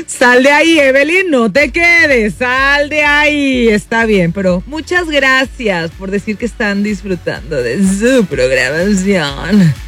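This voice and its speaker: A woman's voice: on the high side, lively intonation, takes it slowly, fairly bright tone, faint music behind. Bubbly Mexican woman radio host. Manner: bubbly, laughing, self-mocking. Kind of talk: casual radio chat reading listener messages. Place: radio studio. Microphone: studio microphone.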